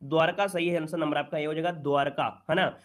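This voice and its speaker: A man with a slightly higher-than-average voice leads an exam-prep Hindi spelling lesson. He walks through each question patiently and keeps asking rhetorical questions so he can answer them himself. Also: steady tone, quick pace.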